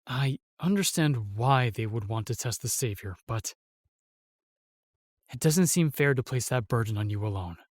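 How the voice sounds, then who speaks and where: A man's voice: mid-range voice, expressive, dry recording, natural voice. Man acting a steadfast royal guard, close and dry. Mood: earnest, solemn. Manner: formal, measured, reassuring. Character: steadfast, protective male royal guard, formal and earnest. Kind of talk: fantasy audio drama acting.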